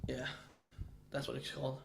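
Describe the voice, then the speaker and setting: A man's voice: medium pitch, level tone, normal speed, gravelly, heavy background noise. A man with a Swedish accent chatting casually with viewers on a livestream, rambling and swearing, with frequent restarts. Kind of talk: casual chat.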